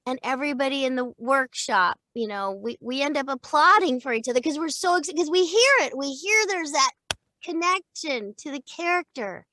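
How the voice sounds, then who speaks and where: A chatty middle-aged woman with a fairly high voice talks about coaching actors, lively and quick to laugh. The sound is close and dry, with no room behind it. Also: no room sound. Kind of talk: casual interview chat.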